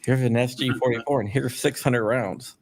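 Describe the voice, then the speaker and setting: A man's voice: medium pitch, steady tone, normal speed. A man hosting a casual live chat, talking eagerly with stammering restarts. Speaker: host.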